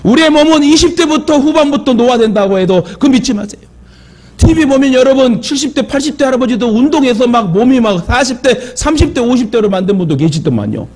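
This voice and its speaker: Lively pastor preaching, high voice. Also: male voice, a little fast. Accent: Jeolla Korean. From Jeolla region of Korea. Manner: lively, calls for amens, joking asides. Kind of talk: sermon. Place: church sanctuary.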